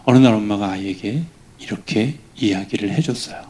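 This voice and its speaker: A male pastor giving a lively weekday sermon, acting out the voices he quotes with sudden rises in pitch and volume. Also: a little fast, slightly rough. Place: church.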